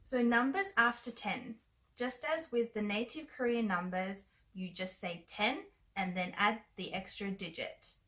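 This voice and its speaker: A young woman co-hosting a language lesson, calling out each prompt in a plain, unhurried way, indoors on camera. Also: mid-range voice, fairly bright tone. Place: bright indoor room, seated.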